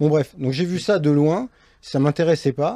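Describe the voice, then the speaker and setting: A man's dark, mellow tone at a moderate pace against a quiet background. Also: dry sound with no echo. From Réunion. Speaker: marketing agency owner; podcast guest. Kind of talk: casual chat. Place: studio. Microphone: studio mic.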